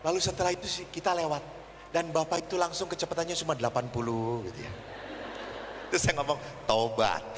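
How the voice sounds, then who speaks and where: A man's voice: fairly high pitch, fast. A male Catholic priest giving a sermon, telling funny stories and acting out voices. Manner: humorous anecdotal storytelling. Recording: reverberant hall with faint noise.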